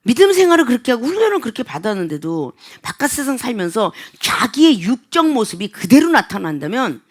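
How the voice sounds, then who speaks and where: A woman's voice: on the high side, a little fast. A middle-aged woman pastor giving a sermon, telling everyday stories and acting out both sides of the dialogue. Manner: animated storytelling with acted-out dialogue.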